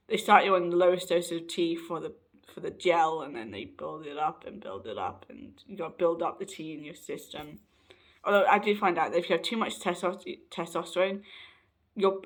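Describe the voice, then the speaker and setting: A young trans man, rambling casually in a personal vlog, often correcting himself and laughing, his voice slightly raspy and hoarse. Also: sits high, fairly bright tone. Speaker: vlogger.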